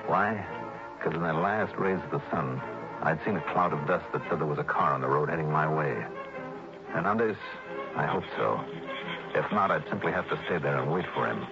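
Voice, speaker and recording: An actor plays a tough, wisecracking male insurance investigator, narrating in the clipped, dry, hard-boiled style of 1960s radio drama. His very deep voice carries vocal fry at a moderate pace, heard on a dull old radio recording with music.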